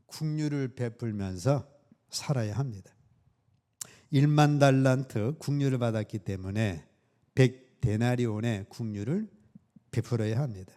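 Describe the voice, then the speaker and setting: A middle-aged man preaching a Sunday morning sermon in a warm, dark, mellow voice. He swings between loud emphatic lines and quiet asides and acts out scenes with quoted dialogue. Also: mid-range voice. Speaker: pastor.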